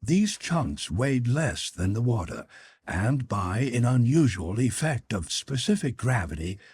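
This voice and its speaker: A man's voice: mid-range voice, very animated, unhurried, a little mellow, husky. A man reading a classic novel aloud as a scripted audiobook narration.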